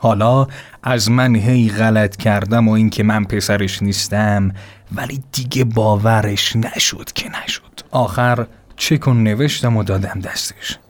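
A man narrating a comic story in a hushed, half-whispered, intimate way. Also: fairly low pitch. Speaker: sketch performer.

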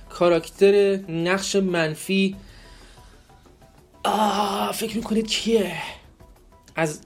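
A man co-hosting a podcast, announcing poll results in casual chat, joking and asking playful questions. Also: fairly high pitch. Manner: joking, laughs often, asks rhetorical questions. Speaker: podcast co-host.

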